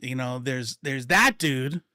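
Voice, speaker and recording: Man, casual storytelling, profane, animated, bright voice, bouncy lively pitch. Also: takes it slowly, no room sound, clean studio sound. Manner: profane, animated, acts out quotes.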